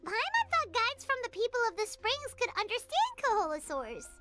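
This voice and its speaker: A woman voicing a tiny, childlike, excitable fairy companion in a video game, with a squeaky voice. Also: a little fast, over loud music. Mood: indignant. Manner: speaks of herself in third person.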